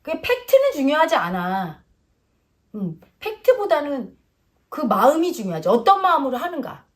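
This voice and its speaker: A woman's voice: sits high, very animated, normal speed. A middle-aged woman giving a casual spiritual talk, lecturing and acting out quoted voices. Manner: lecturing, acts out quoted voices, drifts between plain and polite speech. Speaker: spiritual teacher.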